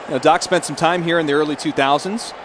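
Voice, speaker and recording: A male color analyst talks through a live football game in a conversational way. His voice is slightly high. Clear stadium noise runs behind the broadcast mic. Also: fairly even intonation, fast.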